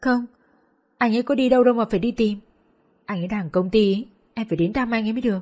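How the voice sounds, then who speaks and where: Woman narrator playing a grief-stricken young woman, pitch climbing high as she begs. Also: rapid-fire, darkish tone, lightly acted. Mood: insistent. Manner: begging, sobbing pleas. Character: grieving young woman, desperate and pleading.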